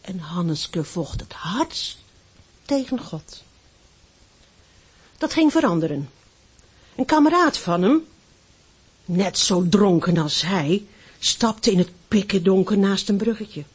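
A woman reading a Christmas story aloud, slow and expressive, dropping very low for the quiet moments. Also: breathy edge. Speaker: story reader.

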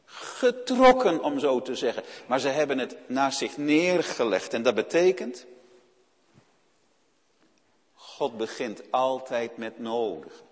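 A man's voice: medium pitch, big pitch swings, slow pace. Preaching man in a reverberant church. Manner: earnest, addresses listeners directly with repeated "hè". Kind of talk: sermon.

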